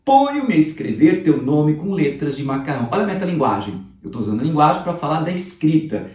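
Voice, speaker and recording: A man teaching literature, reviewing exam questions in a lively, conversational way and talking straight to his students. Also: a little high, a little fast. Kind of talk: commented exam review lesson. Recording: roomy sound, voice off-mic.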